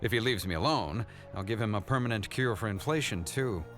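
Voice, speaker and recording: A man's voice: lowish voice, fairly quick, fairly bright tone, faint music behind, natural voice. A man voicing an arrogant, aloof genius scientist in a motion comic, smug, precise and condescending.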